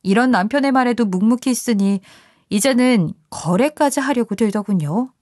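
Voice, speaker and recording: A woman's voice: fairly high pitch, animated, moderate pace, a little mellow, no echo, studio quality. A woman narrating a first-person story in a confiding, scripted manner.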